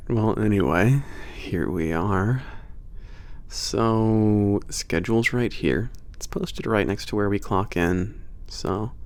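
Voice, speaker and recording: Casting: male actor as a sardonic werewolf spaceport trainer for ASMR roleplay, very creaky voice, unhurried, casual bantering delivery. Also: lowish voice, darkish tone. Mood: casual explaining. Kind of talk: ASMR roleplay, naturalistic one-sided conversation.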